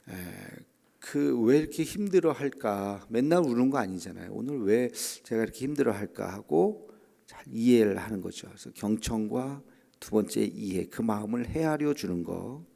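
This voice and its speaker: Middle-aged male pastor, dark gravelly voice, chatty dawn sermon in a church with long reverb. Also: lowish voice. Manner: conversational preaching with frequent "예" and "에" fillers; acts out quoted voices of children and church members. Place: church sanctuary.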